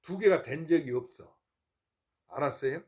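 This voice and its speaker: A man's voice: fairly high pitch, moderate pace, darkish tone. An older man, a Buddhist monk, giving a folksy, informal Dharma talk to his temple congregation and often asking whether they follow him.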